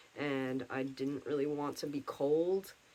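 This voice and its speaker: A man with a normal speaking voice, a fairly high pitch, fairly even intonation and a fairly slow pace. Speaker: vlogger documenting transition. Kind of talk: casual vlog update. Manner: casual, many filler ums.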